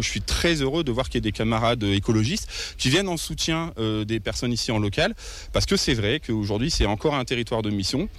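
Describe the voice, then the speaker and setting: Earnest young Frenchman, halting delivery. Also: lowish voice. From northern France. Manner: earnest, many hesitations. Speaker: ecologist activist. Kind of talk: interview at a protest.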